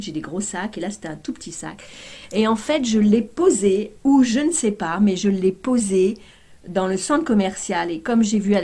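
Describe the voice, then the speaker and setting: A woman's voice: on the low side, mellow. A woman YouTuber chatting casually to her viewers, telling a storytime with lots of fillers and exclamations.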